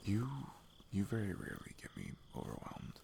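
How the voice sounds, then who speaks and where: Casting: man to play affectionate male best friend for intimate ASMR roleplay; lowish, gravelly-edged soft voice, halting and tender. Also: huge pitch swings, full character voice. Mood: tender, earnest. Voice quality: soft, breathy, often dropping to a whisper. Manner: hesitant, halting, chatty and tender.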